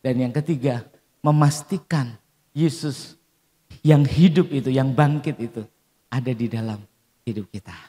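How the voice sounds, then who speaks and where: Male pastor, warm mellow tone, storytelling sermon, long church hall reverb. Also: mid-range voice, a little slow, long pauses. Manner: storytelling with acted quotes, calls and amens to the congregation.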